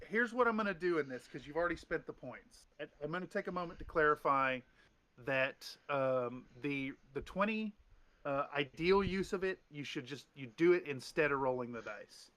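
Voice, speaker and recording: A man serving as game master for a streamed tabletop game, voice a touch high and sharply bright. He rambles through rulings, restarting sentences and filling gaps with ums. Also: lively intonation, moderate pace. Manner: rambling, many restarts and fillers.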